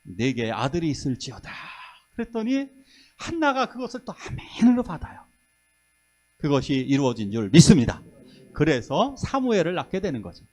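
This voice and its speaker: A middle-aged man preaching with a high, bright voice that swings up and down. His delivery is lively and story-driven, and he slips into the voices of the people he quotes. He sounds like a pastor in full flow at a Sunday service. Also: normal speed. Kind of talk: sermon.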